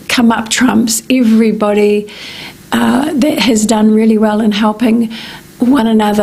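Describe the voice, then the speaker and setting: A middle-aged woman from New Zealand with a slightly raised pitch and a gravelly, croaky edge to her voice. She talks unhurriedly on the radio as a life coach, drifting through her points with frequent ums and small restarts. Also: darkish tone, rough recording. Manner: slow, meandering, with many ums and restarts. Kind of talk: casual radio talk segment.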